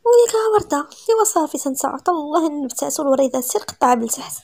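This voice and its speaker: A woman's voice: high-pitched, lively intonation, rapid-fire, gravelly, a little mellow. A Moroccan-accented woman voicing an earnest young man who loves nature, explaining himself in an audio story.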